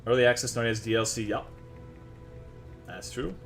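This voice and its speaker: A Texas man streams a video game and trades crude, profane jokes with his chat in brash casual banter. His voice is medium-pitched and fairly bright, steady in tone and normal in speed. Faint music plays in the background.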